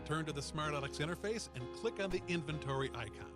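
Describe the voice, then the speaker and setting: A man's voice: a little high, animated, fast, lightly acted. A man voicing a cheery, chatty interface assistant in a scripted game tutorial, instructing eagerly and theatrically over music. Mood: instructive.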